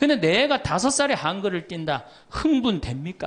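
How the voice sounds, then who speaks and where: A man speaks with very wide swings in pitch. His pace is moderate. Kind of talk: lecture to a live audience.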